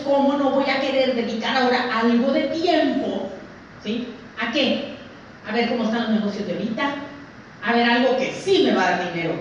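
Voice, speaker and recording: A woman's voice: high voice, dull audio. A woman with a Mexican accent giving a motivational talk to an audience, emphatic and full of rhetorical questions. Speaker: speaker. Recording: very echoey room, mic far off, faint noise.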